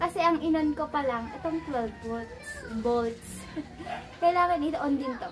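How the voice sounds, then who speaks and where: A woman speaks at a high pitch and a moderate pace. Noticeable background noise runs underneath. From Philippines. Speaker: vlogger. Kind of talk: unboxing vlog. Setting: at home. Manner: casual, frequent laughter. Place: home room. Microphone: phone near.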